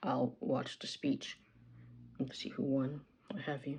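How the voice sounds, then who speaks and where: A woman mumbles at a moderate pace, her voice showing vocal fry. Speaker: beauty vlogger. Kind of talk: casual chat. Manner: mumbling.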